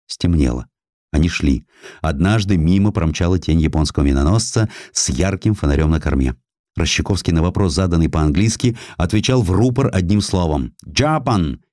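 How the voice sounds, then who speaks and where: Male narrator, dramatic scripted audiobook reading, dark warm timbre, deliberate phrasing, dry studio sound. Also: sits low, no room sound.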